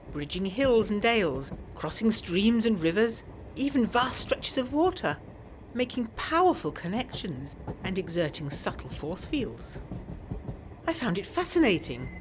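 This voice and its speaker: Actress as an expressive, earnest 1920s Englishwoman. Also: mid-range voice, a little hiss or hum, lightly acted, poor audio. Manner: formal, articulate, expressive period diction. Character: earnest, anxious young 1920s Englishwoman narrating her letter. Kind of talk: dramatised letter narration in a gothic audio drama.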